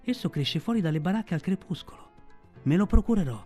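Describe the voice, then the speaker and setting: A man's voice: high voice, expressive, a little fast, dark tone, faint music behind, voice pushed up. Man voicing Bagheera, tender panther. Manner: tender, grave storytelling tone. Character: black female panther, protective and proud.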